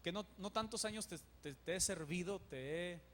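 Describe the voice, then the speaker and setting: A preacher voicing a hurt talking donkey. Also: male voice, sits high, normal speed, fairly bright tone. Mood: reproachful. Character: faithful female donkey, hurt and reproachful. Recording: long church reverb.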